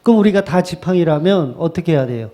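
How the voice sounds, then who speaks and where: A male pastor preaching a sermon in a lively way, slipping into quick acted asides. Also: on the high side.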